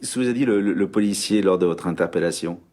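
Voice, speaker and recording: A man who conducts a formal face-to-face interview, asking measured, polite questions. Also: low-pitched, darkish tone.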